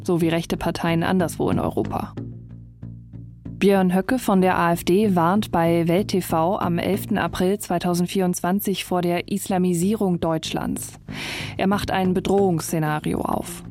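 A woman journalist narrating a documentary report in a calm, measured, scripted way. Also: on the low side. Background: faint music.

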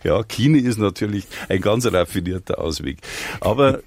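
A man hosting a radio talk show in the studio, chatty and relaxed, laughing easily. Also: lowish voice, normal speed, gravelly, no room sound. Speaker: radio host. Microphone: studio microphone.

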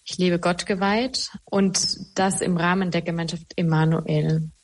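A woman's voice: lowish voice, steady tone, unhurried, distant mic. A woman in her late thirties steadily introducing herself for a radio piece. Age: 30s.

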